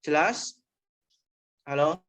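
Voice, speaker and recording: A man's voice: on the high side, lively intonation, drawn-out words, fairly bright tone. A man teaching grammar in an online class, explaining patiently and repeating each point with short checking tags.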